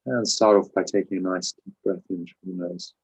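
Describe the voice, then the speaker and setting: Low, husky man guiding a meditation. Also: rough recording. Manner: calm, measured instruction with pauses. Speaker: meditation teacher and host. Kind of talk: guided meditation with spiritual teaching.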